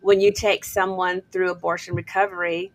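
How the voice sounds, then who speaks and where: A woman's voice: lowish voice, flat delivery, normal speed, low-quality recording. Affirming woman podcast host. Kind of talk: podcast interview.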